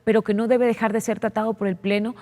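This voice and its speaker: A woman's voice: on the high side, little pitch movement, fast, mellow. Woman legislator, reverberant studio. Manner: earnest explaining with frequent "eh" fillers and repeated words. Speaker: legislator being interviewed. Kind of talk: televised political interview. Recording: long reverb.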